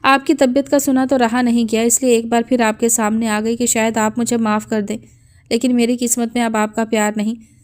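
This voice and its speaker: A woman's voice: fairly high pitch, little pitch movement, a little mellow, natural voice. A woman voicing a grieving middle-aged woman who pleads through tears for her father's forgiveness in an audiobook. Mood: pleading. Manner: pleading, tearful.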